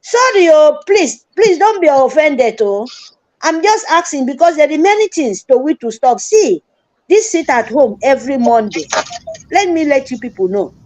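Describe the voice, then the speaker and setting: A woman caller with a high voice and a Nigerian Pidgin accent. She argues in an insistent, pleading and rambling way. She speaks in a call-in discussion. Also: darkish tone, rough recording. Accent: Nigerian Pidgin English.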